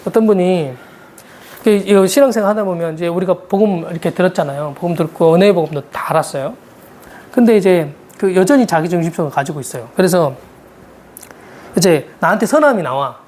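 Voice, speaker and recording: A woman's voice: fairly low pitch, expressive, a little fast, a little mellow. A woman preaching a sermon in a conversational, storytelling way, posing rhetorical questions to her listeners.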